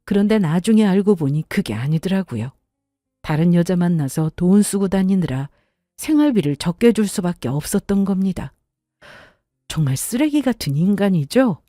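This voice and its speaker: A woman's voice: on the low side, very animated, normal speed, mellow, dry recording, studio quality. A woman narrating her own story in the first person, indignant and confiding.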